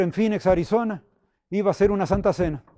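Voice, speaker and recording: Very fast and high-pitched, a man speaks with a dark, mellow tone and ordinary pitch variation in a very clean recording with a silent background. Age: 60s. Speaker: theology instructor and preacher. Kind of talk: lecture. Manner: halting, many fillers.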